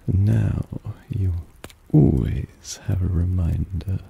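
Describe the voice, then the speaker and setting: A man playing a possessive, softly dominant vampire in an intimate ASMR roleplay, breathy and often half-whispered, teasing and coaxing. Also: low voice, slow pace, lo-fi sound, slight background noise, full character voice. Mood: teasing, doting. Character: possessive, softly dominant male vampire doting on his pet.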